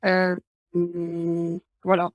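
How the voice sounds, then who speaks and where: A woman's voice: fairly low pitch, monotone, very slow, dry recording, dull audio, faint music behind. A young woman in her twenties from Ukraine with a Ukrainian accent, answering interview questions in a casual, hesitant way with many fillers. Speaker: guest.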